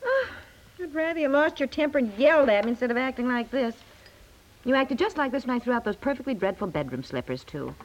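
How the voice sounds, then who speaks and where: A woman's voice: high-pitched, lively intonation, fast, highs cut off. A woman playing a practical, exasperated housewife and mother in 1950s radio comedy, coaxing and chiding. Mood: placating. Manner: coaxing, chiding, matter-of-fact.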